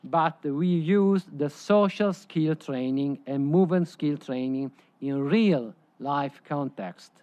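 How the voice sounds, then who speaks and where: A man whose first language is Italian gives a prepared presentation at a conference, in slightly halting phrasing. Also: fairly high pitch, warm tone, highs cut off. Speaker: presenter at a conference side event.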